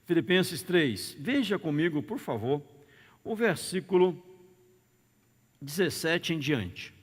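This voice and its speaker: A man's voice: a little high, very animated, slow pace, breathy edge. A man preaching a sermon in Brazilian Portuguese, emphatic and repetitive, calling on the congregation for amens. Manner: emphatic, repeats key words, calls out for amens. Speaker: pastor. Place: church sanctuary. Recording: reverberant church hall.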